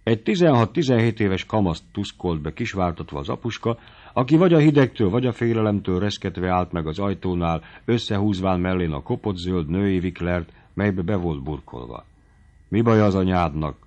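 A man reading a novel aloud as an audiobook narrator in measured storytelling. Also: deep voice, expressive, a little mellow. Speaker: audiobook reader. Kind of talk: scripted narration. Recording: dull lo-fi audiobook recording.

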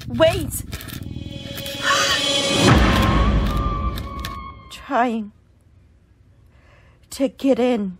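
A young woman playing a tense, scolding college girl trying to stay sensible, in a halting, emphatic suspense radio play style. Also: extremely high pitch, wildly swooping pitch, full character voice. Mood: frightened, sharp. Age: young adult. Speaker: radio drama actor. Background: music.

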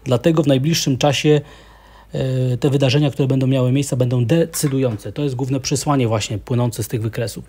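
A man with a mellow, darker voice delivers steady market commentary as an analyst. He talks in a measured way, pausing often with small hesitations as he works through each chart. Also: mid-range voice, breathy edge.

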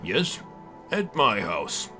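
Guy playing evil old doctor in a horror comic, super swoopy, slow n theatrical, music behind. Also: lowish voice, huge pitch swings, full character voice. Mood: feigned concern. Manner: theatrical, drawn-out, sneering. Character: sneering, gloating old doctor who poisoned his friend. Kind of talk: dramatic horror comic reading.

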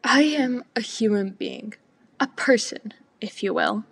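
Teen girl for spoken word, husky with a gravelly edge, slow and deliberate delivery. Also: a little high, animated. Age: teens. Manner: slow and deliberate, partly whispered.

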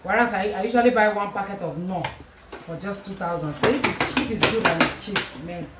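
A woman's voice: medium pitch, a little fast. A woman in her thirties with a Nigerian accent, chatting casually to camera in a home vlog, repeating herself as she goes. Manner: chatty, repeats herself, playful bursts of self-praise. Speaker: vlogger and mother. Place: small home kitchen indoors. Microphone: camera on tripod. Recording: noisy home camera recording.

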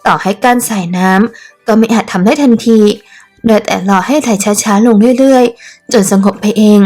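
A woman narrating an audio novel in a calm, even reading voice. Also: on the high side, moderate pace, faint music behind. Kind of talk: scripted narration.

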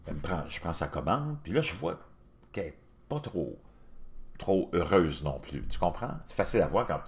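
Middle-aged male vlogger, low voice, Quebec French accent, blunt and earthy casual monologue. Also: big pitch swings, moderate pace. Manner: colloquial, blunt, crude, philosophizing. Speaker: YouTube channel host.

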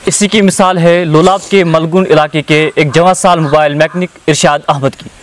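A man's voice: on the high side, steady tone, normal speed, a little hiss or hum. A man, presenting and interviewing in a formal, declamatory way. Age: 20s. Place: outdoors on a lawn beside a wooden house.

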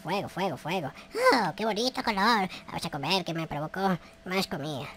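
A man's voice: high voice, a little fast, bright, forceful tone, a little hiss or hum, pitched below the performer's own voice. A man voicing a forgetful aged survivor in a Minecraft roleplay, rambling and groaning to himself. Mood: childlike wonder. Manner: rambling, groaning, childlike wonder. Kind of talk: gaming roleplay, talking to himself.

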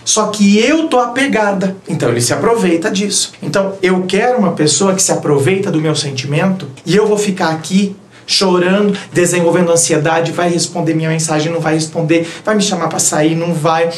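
A Brazilian man with a high-pitched voice talks straight to his viewers about relationships. He is blunt and teasing. His voice rings with the echo of a roomy space. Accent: Brazilian Portuguese. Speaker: relationship advice youtuber. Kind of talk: casual advice monologue.

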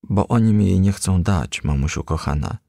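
A man's voice: sits low, expressive, normal speed, gravelly, dark tone, no room sound, clean studio sound, exaggerated voice. Man playing a plaintive young firefly, heartbroken. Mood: tearful, dejected. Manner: plaintive, pleading. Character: earnest, heartbroken young male firefly in love.

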